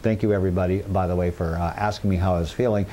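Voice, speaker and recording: A man's voice: sits low, steady tone, rapid-fire, dark tone, slight background noise. Cheerful man on a garden patio. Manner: upbeat, reassuring, chatty. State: recovered, slight leftover throat. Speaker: gardening channel host. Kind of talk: casual gardening tutorial. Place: outdoor patio garden full of potted plants.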